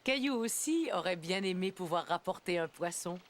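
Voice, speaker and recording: A woman playing the gentle storyteller of a children's cartoon, reading scripted narration. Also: fairly low pitch, expressive, normal speed, a little hiss or hum, lightly acted.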